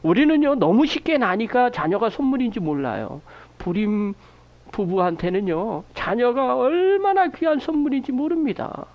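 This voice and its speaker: A man's voice: extremely high pitch, moderate pace, dry recording, highs cut off. A man preaching a sermon as pastor, asking the congregation rhetorical questions and acting out prayers in his own voice. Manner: animated preaching, acts out prayers and quoted remarks. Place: church sanctuary.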